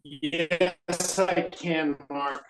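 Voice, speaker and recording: A man's voice: fairly high pitch, fairly even intonation, very slow, a bit bright, a little hiss or hum. A man joining a committee meeting remotely, his video-call audio choppy and breaking up as he gives short, plain replies. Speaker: committee member. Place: remote location, moving between areas.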